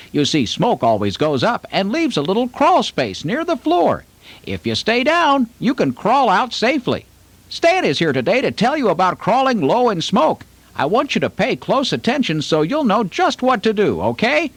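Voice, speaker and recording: A man's voice: high-pitched, wildly swooping pitch, normal speed, fairly bright tone, no room sound, full character voice. A man voicing a friendly puppet host who patiently explains fire safety to children in a puppet show. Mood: instructive. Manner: patient, instructive, talks to children.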